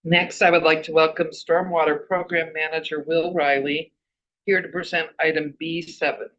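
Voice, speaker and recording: A man's voice: on the high side, little pitch movement, normal speed, a bit bright. A chatty man chairing a council meeting in an informal, conversational way. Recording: dull, band-limited meeting audio.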